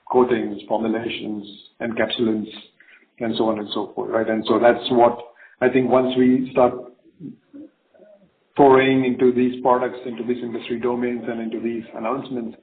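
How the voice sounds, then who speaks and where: A man's voice: mid-range voice, slight background noise. Confident male executive on a phone line. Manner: confident, emphatic, often ends phrases with "right?". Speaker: company executive answering analyst questions. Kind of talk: earnings call Q&A, spontaneous business talk. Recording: narrow, phone-like conference call line.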